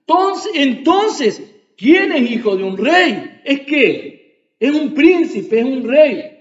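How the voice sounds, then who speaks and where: A man's voice: very high-pitched, sing-song, slow pace. A male pastor preaching an emphatic sermon in a church, asking rhetorical questions and crying out quoted pleas. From Uruguay. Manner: cries out quoted pleas loudly. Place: church sanctuary. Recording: echoey church, dull lo-fi sound.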